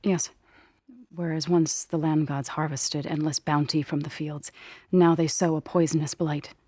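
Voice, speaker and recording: An actress voicing an earnest young tribal woman warrior in a video game, grave and devout, with measured, careful phrasing. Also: low voice, flat delivery, warm tone, dry recording, studio quality. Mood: solemn. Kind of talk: video game character voice acting.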